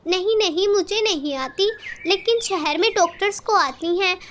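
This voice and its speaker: A woman's voice: very high-pitched, moderate pace, a bit bright, a little hiss or hum. A woman voicing a kind, brave female sparrow in a cartoon story, caring and firm.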